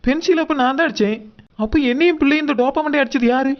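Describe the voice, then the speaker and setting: An actor plays a suspicious, bossy cartoon mother with a very high voice. She rattles out scoldings and mutterings. The sound is muffled and lo-fi. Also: fast, close to an everyday voice. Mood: puzzled, grumbling. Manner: scolding, muttering, name-calling. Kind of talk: cartoon dub dialogue.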